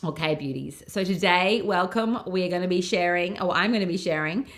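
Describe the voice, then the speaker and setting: A woman hosting a motivational business podcast, sounding nasal and blocked up from a cold, gushing and affirming as she slows into guided reflection. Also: on the low side. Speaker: podcast host and business coach.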